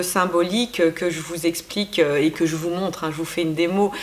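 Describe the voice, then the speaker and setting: A woman speaks over noticeable background noise. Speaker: astrologer. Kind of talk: weekly astrology forecast monologue. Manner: animated.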